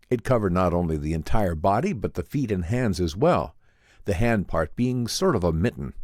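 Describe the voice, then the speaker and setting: A man with a low voice narrates a classic science fiction tale in a theatrical, measured way. His pitch moves in lively swings, and the recording is close and dry. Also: dry recording. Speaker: audiobook narrator. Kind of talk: dramatic scripted narration of a vintage sci-fi story.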